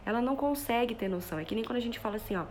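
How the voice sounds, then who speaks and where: A woman's voice: fairly high pitch, expressive, very fast, slight background noise. A woman parenting educator gives a live talk to parents. She explains with everyday examples and keeps checking in with her listeners. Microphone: phone.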